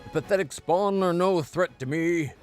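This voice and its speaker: A man's voice: high-pitched, moderate pace, soft background music, lightly acted. A man voicing an arrogant undead lich in a sneering, gloating, haughty manner, reading fantasy game dialogue aloud.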